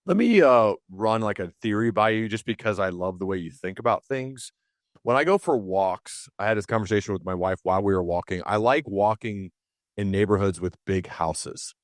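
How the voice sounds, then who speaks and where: Low-voiced man hosting an interview. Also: expressive, moderate pace, dry recording, studio quality. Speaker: podcast host. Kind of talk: conversational interviewing.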